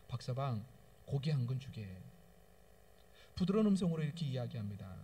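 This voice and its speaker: A man preaching a sermon as a pastor and leading prayer, speaking earnestly and building to loud, fervent pleas. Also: on the high side. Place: church sanctuary.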